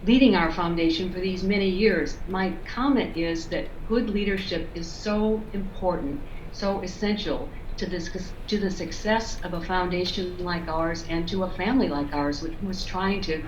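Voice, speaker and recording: A woman's voice: on the low side, normal speed, few pauses. Effusive woman on a dull, echoey line. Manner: warm, grateful, effusive praise. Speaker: foundation family member. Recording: dull, echoey call audio with faint noise.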